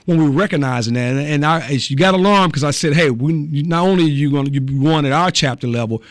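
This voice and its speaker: A man's voice: a little high, no echo, studio quality. Earnest male radio guest. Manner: earnest, halting, repeats words. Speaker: fraternity chapter representative, studio guest. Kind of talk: radio interview. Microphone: studio microphone.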